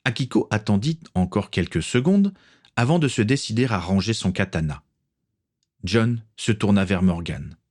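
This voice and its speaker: A man narrating an audiobook adventure in an expressive, measured way. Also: fairly low pitch.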